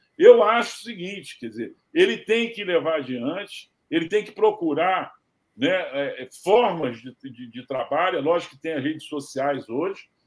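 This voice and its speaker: Speaking at a fairly slow pace, a man with high pitch uses lively intonation and big swings in loudness. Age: 70s. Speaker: veteran journalist; journalist guest. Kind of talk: interview answer. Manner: halting, with repetitions. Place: home room.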